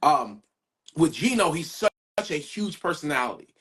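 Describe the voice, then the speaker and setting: A man's voice: a little high, sing-song, moderate pace, a bit bright, husky. A man hosting a podcast, talking emphatically and repeating himself for stress. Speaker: podcast host. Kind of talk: casual podcast chat.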